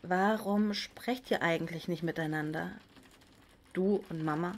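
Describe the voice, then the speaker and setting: A woman's voice: on the low side, unhurried. A woman playing an earnest, principled young adult daughter in a naturalistic radio drama. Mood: hurt, challenging. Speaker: voice actor in an audio drama.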